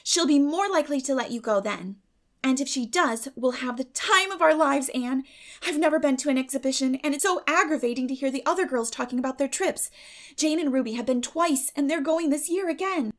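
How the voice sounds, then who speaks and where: A woman plays a lively young girl in a storybook reading. She is high-pitched, eager and blunt, putting emphatic stress on her words. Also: fairly quick, close to an everyday voice. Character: lively young girl, excited bearer of news, bluntly indignant. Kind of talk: dramatic audiobook character reading.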